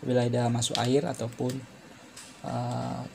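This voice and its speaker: A man talks through a practical repair in a halting, step-by-step way. His mid-pitched voice is creaky and stays very even in tone. There is faint noise behind him as he speaks. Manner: halting, step-by-step explaining with frequent repetition. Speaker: phone repair tutorial presenter. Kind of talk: unscripted hands-on repair tutorial.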